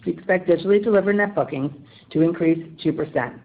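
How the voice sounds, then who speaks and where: A woman executive reading a scripted financial report in a formal, measured way over a conference phone line. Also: lowish voice. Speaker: company financial executive on earnings call.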